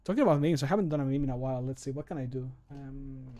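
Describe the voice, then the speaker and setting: A man's voice: medium pitch, very fast. A man in his thirties chatting casually on a livestream, rambling and self-deprecating, with casual swearing. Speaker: streamer and game modder. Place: small room at home, indoors.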